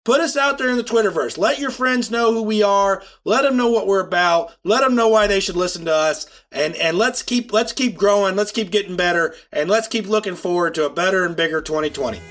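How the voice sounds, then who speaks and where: A man co-hosting a podcast whose voice sits high for a man and sounds nasal and stuffed up from a cold. He talks in an earnest, upbeat way to his listeners. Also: fairly quick, hardly any pauses, fairly bright tone. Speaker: podcast co-host. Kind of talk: casual podcast chat.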